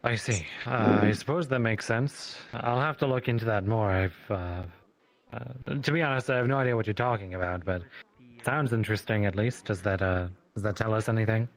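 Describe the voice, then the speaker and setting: Guy doing a careful townsman in a fantasy rp, lowish voice, polite, hesitant, kinda reserved. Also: fairly quick, lightly acted, rough recording. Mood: hesitant, pondering. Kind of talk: improvised fantasy roleplay in casual conversation.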